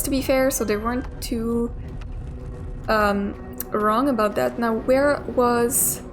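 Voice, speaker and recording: A young woman casually commenting and thinking aloud while playing a video game, swearing now and then. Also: fairly high pitch. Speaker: gamer playing through a game. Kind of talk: casual let's play commentary. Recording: game music playing clearly behind. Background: game music.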